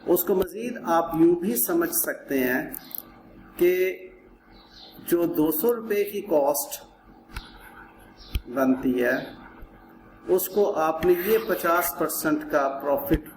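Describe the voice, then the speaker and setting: A man's voice: a little high, lively intonation, slow, pauses often. A man with a Pakistani accent lecturing as an accounting teacher, explaining step by step in a didactic way, repeating points and posing rhetorical questions. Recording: roomy echo with clear background noise.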